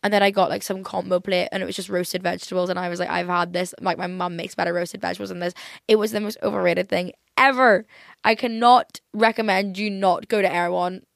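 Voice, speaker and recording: A young woman with a softened Northern Irish accent, chatting casually in a rambling, exaggerating way as a podcast host. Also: lowish voice, fairly even intonation, fast, creaky, dry recording, clean studio sound. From Northern Ireland. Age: young adult.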